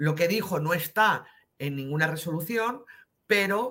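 Her pitch varies in an ordinary way. The woman's tone is bright and sharp. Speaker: political news show co-host. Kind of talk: political talk show.

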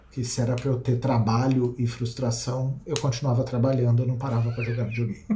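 Noticeable background noise and audible room echo fill this clip. The man in it talks at a fairly quick pace. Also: medium pitch for a man. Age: 30s. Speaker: communications manager and former journalist. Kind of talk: interview. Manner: animated.

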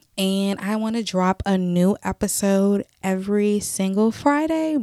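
In a very clean recording with a silent background and a dry, close sound with no echo, a woman with an American accent speaks at medium pitch with lively intonation. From Maryland, Prince George's County. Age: 20s. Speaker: podcast host. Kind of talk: podcast intro monologue.

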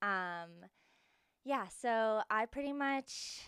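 This woman has a plain, everyday voice and an American accent, pitched fairly high with ordinary pitch variation. The recording is very clean with a silent background and a dry, close sound with no echo. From Massachusetts South Shore. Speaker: bodywork and energy healing practitioner. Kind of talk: casual chat.

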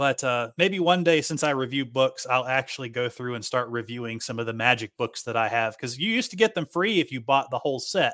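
With an Appalachian accent, a man speaks at a fairly quick pace and medium pitch, bright and sharp in tone, with lively intonation and hardly any pauses, in a very clean recording with a silent background. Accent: Appalachian American. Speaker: book reviewer and writer. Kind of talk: casual chat.

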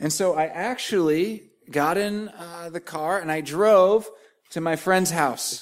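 Speaking at a very slow pace with a Texan accent, a man uses a high pitch and ordinary pitch variation. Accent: Texan American. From Texas. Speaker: missionary preacher. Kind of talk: sermon with interpreter. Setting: church. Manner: pausing for interpretation.

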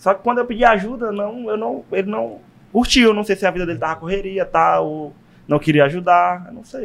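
A man speaks fairly quickly at a high pitch with lively intonation. His loudness swings widely. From Piauí, Brazil (Amarante). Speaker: social media comedian. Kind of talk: casual chat.

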